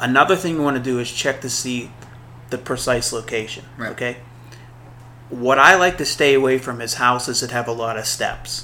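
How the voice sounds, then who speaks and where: A man with an American accent, medium pitch, fairly even intonation, a moderate pace, and an unremarkable speaking voice. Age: 50s. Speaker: real estate investor and trainer. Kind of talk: podcast instruction.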